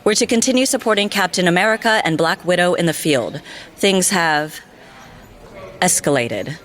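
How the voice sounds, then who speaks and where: A woman playing a stern senior field agent in an audio drama, curt, authoritative and deadpan. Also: on the low side, normal speed. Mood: commanding.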